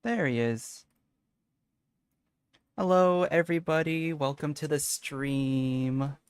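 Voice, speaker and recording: A man's voice: a little high, slow, smooth, no echo. Casual man streaming a game, close dry sound. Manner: rambling, thinking aloud. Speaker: live streamer. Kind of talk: casual gaming stream chat.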